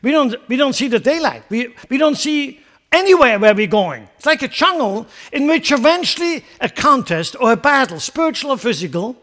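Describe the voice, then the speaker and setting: A man's voice: very high-pitched, big pitch swings, normal speed, a bit bright. A man preaching a sermon as a pastor, impassioned and repeating words as he builds emphasis.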